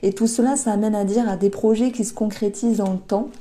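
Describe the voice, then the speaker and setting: A woman giving a monthly tarot reading, talking gently with many hesitations and restarts. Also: mid-range voice, fairly even intonation, fast. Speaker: tarot reader.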